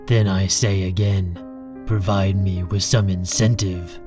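Cold, proud, low-voiced man acted. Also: flat delivery, takes it slowly, a little mellow, soft background music. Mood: cold, stubborn. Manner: curt, contemptuous, controlled. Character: cold, proud, defiant man guarding his younger brother. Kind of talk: fan audio drama acting.

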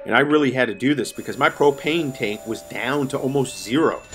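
A man's voice: medium pitch, fairly quick. A middle-aged man chatting casually as an RV vlogger, upbeat with lots of fillers, filmed on a phone at arm's length. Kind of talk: casual travel vlog with voice-over. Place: inside a car, then outdoors by an RV. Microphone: phone held at arm's length. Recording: music bed playing under the voice. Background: background music.

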